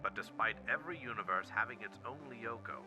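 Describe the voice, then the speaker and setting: Older scientist, cartoon, male actor: lowish, grave, animated, explanatory, music behind. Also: quick pace, natural voice, rough recording. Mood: grave, anxious. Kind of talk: cartoon parody dub.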